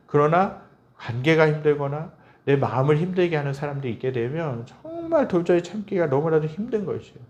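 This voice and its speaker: A male pastor preaching a Sunday sermon, asking the congregation questions and acting out prayers in a lifted voice. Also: darkish tone. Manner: acts out prayers and quoted speech with a lifted pitch; asks the congregation rhetorical questions.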